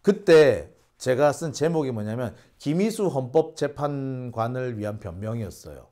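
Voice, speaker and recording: A man's voice: mid-range voice, expressive, moderate pace, warm tone. A man from Busan, hosting political commentary and ranting indignantly with rhetorical questions. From Busan, South Korea. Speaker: host.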